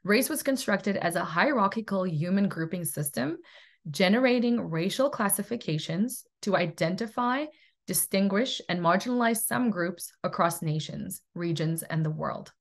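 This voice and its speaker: Her voice is mid-range with lively intonation and normal speed. She's a middle-aged South African woman presenting in a university research toolkit, giving a recorded webcam lecture from home. Earnest and thoughtful, she uses lots of fillers and restarts.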